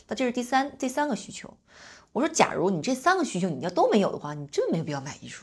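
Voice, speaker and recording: Talking at a very fast pace, a woman with a high pitch shows very wide pitch swings and big swings in loudness. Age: middle-aged. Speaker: art dealer. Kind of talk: casual interview chat.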